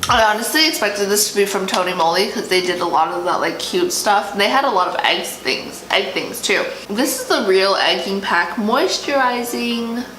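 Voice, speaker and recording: A woman chatting casually and excitably as a beauty vlogger, gushing over products while she has hiccups. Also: mid-range voice, normal speed, few pauses. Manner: talking while having hiccups. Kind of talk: casual product unbagging chat. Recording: roomy echo, music behind. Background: music.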